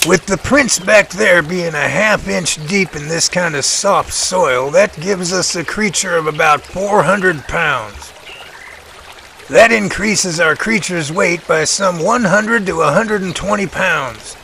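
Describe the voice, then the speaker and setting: A man acting as a confident, methodical professor in an audio drama, explaining things precisely and deliberately. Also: high-pitched, vocal fry, sharp tone, a little hiss or hum, exaggerated voice. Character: confident, methodical male professor tracking a sasquatch.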